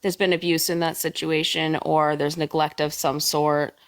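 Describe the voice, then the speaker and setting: A woman's voice: sits low, little pitch movement, normal speed, dry recording. A woman in casual chat, blunt and freely swearing as she trades opinions. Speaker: live stream co-host.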